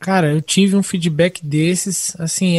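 A man speaks at a high pitch with fairly even intonation and a moderate pace. The sound is dry and close, with no echo. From Volta Redonda, Rio de Janeiro state, Brazil. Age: 20s. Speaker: rapper. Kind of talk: casual interview chat.

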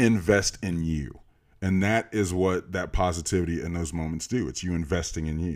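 His very deep, low voice has a relaxed tone. The recording is very clean, with a silent background. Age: 40s. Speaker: podcast host and resin artist. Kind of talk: casual solo monologue. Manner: relaxed, frequent laughs and fillers.

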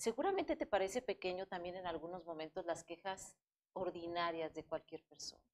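Her voice is an unremarkable speaking voice, as a woman talks at medium pitch and a moderate pace with ordinary pitch variation. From Mexico. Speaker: radio host. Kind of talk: interview.

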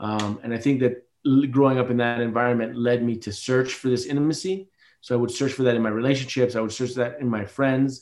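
A man with an unremarkable speaking voice, medium-pitched, fairly even in intonation, at a fairly quick pace. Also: hardly any pauses. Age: 40s. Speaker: founder of a creative studio, documentary filmmaker. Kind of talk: interview conversation.

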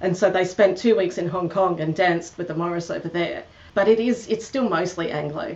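At a fairly quick pace, a woman speaks. Her voice is medium in pitch with ordinary variation. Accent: Australian. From South Australia. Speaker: morris dancer and troupe founder. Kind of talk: interview.

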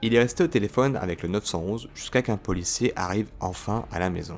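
This man's fairly low voice shows ordinary pitch variation. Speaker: horror story narrator. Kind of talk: true-crime horror narration, tense storytelling. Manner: suspenseful, dramatic, building tension; sarcastic, chatty asides to audience.

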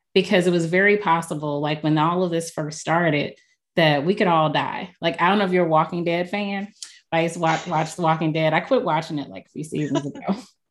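In an American accent, a woman with a fairly low pitch speaks at a fairly quick pace, her intonation fairly even. She has an ordinary speaking voice, and the recording is very clean with a silent background. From St. Louis, Missouri. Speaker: women's community founder and attorney. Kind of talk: interview conversation.

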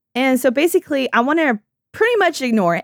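Animated in tone, a woman talks at a fairly quick pace with very wide pitch swings, the sound dry and close with no echo. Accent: Southern US. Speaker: podcast host. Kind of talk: casual chat.

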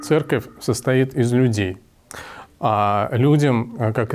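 A man is speaking. His pitch is medium. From Moscow, Russia. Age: 40s. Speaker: priest. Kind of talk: interview answers. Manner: halting with filler sounds.

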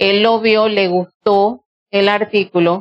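Speaking at a very slow pace, a woman uses a medium pitch and a monotone, flat intonation. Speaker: mother of an athlete. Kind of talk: interview. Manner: halting.

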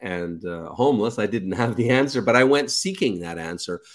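In a very clean recording with a silent background, a man with an unremarkable speaking voice talks at a moderate pace, his fairly low pitch carried by lively intonation. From Canada. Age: 50s. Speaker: author and dating-site entrepreneur. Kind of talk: podcast interview.

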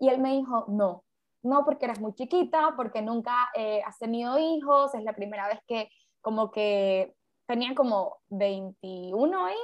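Speaking at a fairly slow pace, a woman uses a plain, everyday voice, fairly high in pitch with ordinary variation. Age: 20s. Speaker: podcast host and lawyer. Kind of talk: casual chat.

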